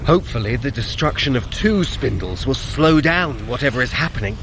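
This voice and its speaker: A man's voice: mid-range voice, expressive, fairly quick, background noise, natural voice. An actor playing a wry, prickly male trickster god and sorcerer in an audio drama, with a dry, sardonic manner. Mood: weary, troubled. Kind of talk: scripted audio drama acting for a running workout.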